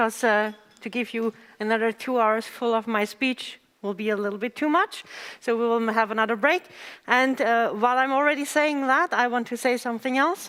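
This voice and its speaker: Pitched fairly high, a woman speaks at a moderate pace with ordinary pitch variation. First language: not English. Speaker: workshop trainer. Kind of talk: lecture.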